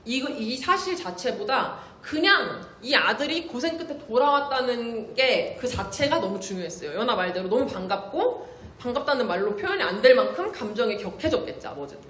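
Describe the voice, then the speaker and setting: Lively woman preaching in an echoey room. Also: fairly high pitch, moderate pace. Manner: lively storytelling, casual slang, acts out characters. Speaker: youth pastor. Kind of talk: youth sermon.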